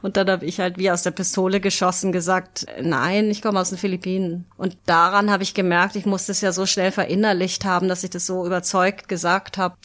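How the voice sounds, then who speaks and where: Eine Frau als Interviewgast, die im lockeren Plauderton lebhaft von ihren Reisen erzählt und oft mit „äh“ und „ähm“ zögert. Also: female voice, lowish voice. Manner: lively storytelling with many fillers. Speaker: guest, travel speaker. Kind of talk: casual interview answers.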